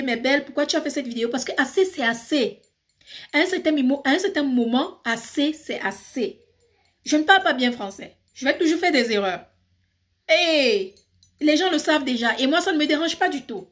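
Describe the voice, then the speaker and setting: A woman with a Cameroonian accent, ranting passionately in a casual vlog and switching between French and English. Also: sits high. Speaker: YouTuber. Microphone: phone.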